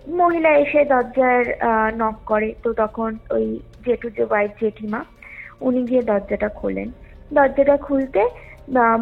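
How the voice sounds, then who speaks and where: High, husky woman storyteller on a call. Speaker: caller telling a ghost story. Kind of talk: conversational storytelling over a call. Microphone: phone call. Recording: muffled lo-fi call with music underneath. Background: music.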